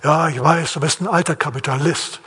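A man preaching a sermon who voices a lazy, mouthy servant making excuses to his master, in a husky voice. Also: a little high, brisk, bright, forceful tone, heavily acted. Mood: defiant. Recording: long hall reverb.

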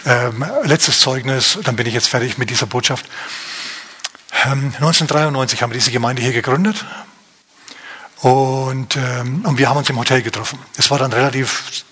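A man's voice: mid-range voice, fairly even intonation, normal speed, bright, forceful tone, breathy edge. A middle-aged man preaching a sermon at a church service, telling a story with animation and acting out the characters' lines. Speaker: pastor.

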